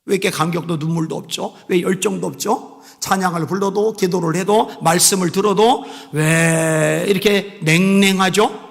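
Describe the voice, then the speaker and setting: Impassioned high-voiced preacher, gravelly. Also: male voice, fairly even intonation, normal speed, big-room sound. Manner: impassioned preaching with swings between soft pleading and raised exhortation. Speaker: pastor. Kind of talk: sermon.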